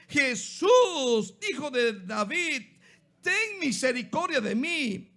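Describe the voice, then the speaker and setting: A man with a Honduran Spanish accent, a pastor preaching a sermon slowly and acting out the Bible quotes he tells. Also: extremely high pitch.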